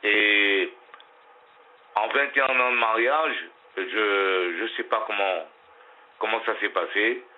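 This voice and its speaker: A hoarse man from Réunion calls in to a radio show, speaking with a Réunionese French accent. His voice sits low and comes through a tinny phone line, and he talks in an emotional, informal, rambling way. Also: takes it slowly, pauses often. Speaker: caller. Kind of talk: radio call-in.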